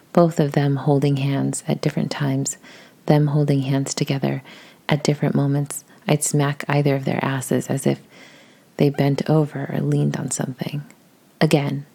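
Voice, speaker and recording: Low raspy whispering woman. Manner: soft, breathy whisper. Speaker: audio creator reading posts. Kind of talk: casual whispered reading aloud.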